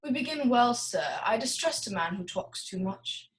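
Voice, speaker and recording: Radio play villain, female actor: genial, long-winded criminal mastermind, orotund and theatrical, a little high in pitch. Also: expressive, normal speed, close to an everyday voice. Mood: jovial, expansive. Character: jovial, wordy, scheming fat male crime boss. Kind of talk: film noir radio play acting.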